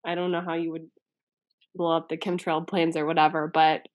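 A woman co-hosting a casual chat, telling stories in an animated way with lots of "like" and quick asides. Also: low voice, dry recording. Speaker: podcast co-host.

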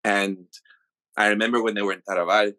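A man's voice: lowish voice, level tone, brisk, pushed and bright, no echo. Earnest man on a dry mic. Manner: earnest, reflective storytelling. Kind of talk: casual podcast chat.

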